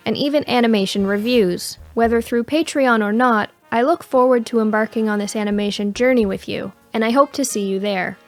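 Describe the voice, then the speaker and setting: A woman hosts a scripted lesson in a somewhat high-pitched voice. She narrates as a teacher, with faint music playing behind her. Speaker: host and animation teacher. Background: background music.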